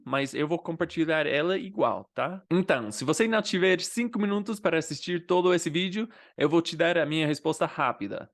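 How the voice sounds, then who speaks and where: A man's voice: on the high side, gravelly, fairly bright tone. A man from the United States with an American accent, talking casually to his viewers as a language vlogger and often ending phrases with a questioning tag. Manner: conversational, often adds "né?" and "entendeu?" as tags. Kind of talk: casual explanatory vlog.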